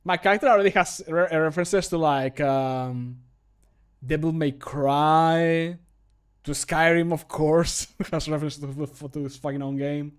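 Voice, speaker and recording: A man in his thirties with a slightly high voice talks casually to a livestream from a room at home. He is chatty and jokey, easily amused by himself, and keeps things animated. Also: a little slow, clear, resonant tone. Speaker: streamer and hobby game modder recording voice lines. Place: small home room, indoors.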